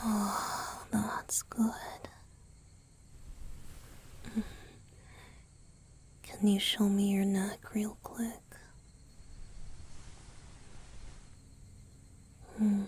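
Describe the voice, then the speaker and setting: A woman playing a gentle, doting young male vampire boyfriend in a romantic ASMR roleplay, speaking softly and tenderly, mostly in a breathy whisper. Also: medium pitch, slight background noise. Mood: gentle concern. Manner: tender, attentive, softly reassuring.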